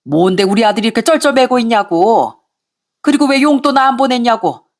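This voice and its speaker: A woman voicing an angry middle-aged mother-in-law who scolds and nags in a shrill voice. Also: lively intonation, natural voice. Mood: scolding. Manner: shrill, scolding, rapid nagging.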